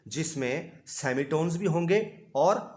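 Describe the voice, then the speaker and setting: A man's voice: on the high side, a little slow, darkish tone. Man teaching a music lesson in Hindi. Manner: patient, asks and answers his own questions.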